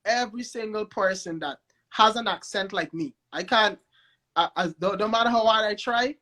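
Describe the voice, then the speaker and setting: Guyanese guy, high bright voice, animated, keeps repeating words, casual interview. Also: normal speed. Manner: animated, repeats himself, enthusiastic. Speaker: guest, record label founder. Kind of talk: casual interview over a live stream.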